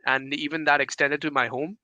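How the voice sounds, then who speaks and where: A man's voice: fairly high pitch, flat delivery, brisk, bright, forceful tone, dry recording. A young man from India with an Indian English accent, chatting casually on a podcast, hesitant with many fillers and restarts. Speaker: podcast co-host.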